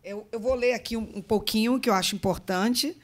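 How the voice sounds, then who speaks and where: A woman's voice: a little high, fairly quick. A middle-aged woman from Bahia with a Bahian Brazilian accent, chairing a meeting with formal remarks and informal asides into a table microphone. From Bahia, northeastern Brazil. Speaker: state legislator chairing a meeting. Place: legislative meeting room, indoors. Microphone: table gooseneck microphone.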